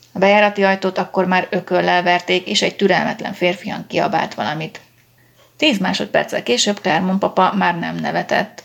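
A woman's voice: lowish voice, creaky. A woman narrating a story in an audiobook reading, telling it steadily and expressively.

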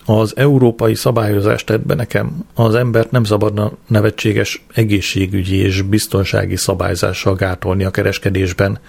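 A man's voice: fairly low pitch, level tone, vocal fry, few pauses, no echo. A man voicing a blustering, pompous middle-aged businessman who rants indignantly. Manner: indignant, shouting.

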